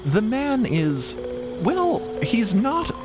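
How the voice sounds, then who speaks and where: A man's voice: high voice, huge pitch swings, extremely slow, music in the background. A man narrating a scripted story theatrically, with playful, dramatic emphasis.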